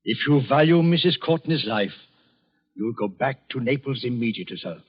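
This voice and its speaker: Radio play: formal English doctor, halting and grave, husky, expressive pitch, muffled old recording. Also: male voice. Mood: grave warning. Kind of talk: old-time radio drama acting.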